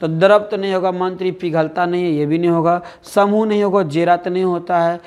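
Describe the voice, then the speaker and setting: Speaking fast-ish in a high-pitched, steady, somewhat dark voice, this Bihari-accented man teaches an exam-prep class. Calling students "dear", he constantly poses questions to them and repeats words over and over to drill the answers.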